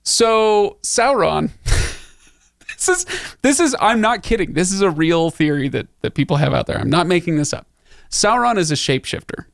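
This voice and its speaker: A man hosting a casual book discussion podcast, chatty and animated, laughing often as he explains. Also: sits high, moderate pace, vocal fry, no room sound, clean studio sound. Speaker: podcast host.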